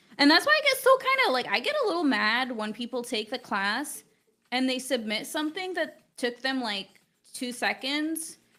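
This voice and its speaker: Projecting a raised voice, a woman speaks at a moderate pace with a high pitch and a bright, sharp tone. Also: lively intonation. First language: Arabic. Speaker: art teacher / illustrator. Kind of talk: live stream drawing tutorial chat. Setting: live stream with music in background. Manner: casual, filler-heavy.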